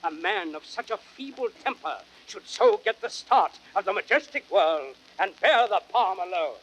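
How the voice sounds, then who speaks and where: A man's voice: high voice, big pitch swings, normal speed, fairly bright tone. An actor playing a bitter, persuasive, scheming Roman nobleman in declamatory classical Shakespearean style. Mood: scornful. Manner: declamatory, impassioned, rhetorical. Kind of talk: classical Shakespearean radio drama acting. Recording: noisy vintage spoken-word drama record.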